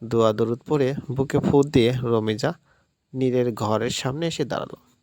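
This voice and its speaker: A man narrating a romantic story in steady, scripted audiobook style. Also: medium pitch, normal speed, no room sound.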